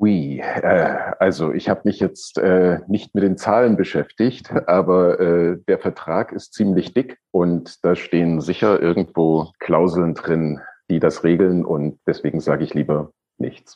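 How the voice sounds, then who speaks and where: Ordinary pitch variation runs through delivery that moves very slowly. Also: man, very deep, low pitch for a man. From East Germany. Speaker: actor. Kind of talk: interview.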